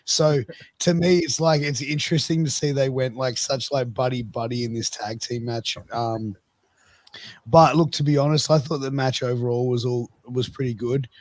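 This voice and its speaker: A man hosting a casual wrestling review podcast in a blokey, sweary, matey way, sounding rough and worn out with a cracking voice after being sick. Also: mid-range voice, fairly even intonation, normal speed, dry recording. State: worn-out, recovering from vomiting illness, cracking voice. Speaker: podcast host.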